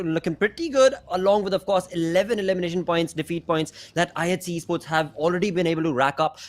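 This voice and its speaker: A man doing play-by-play esports commentary as a caster, in long, wordy running sentences. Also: sits high. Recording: clear background noise, game gunfire. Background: video game gunfire.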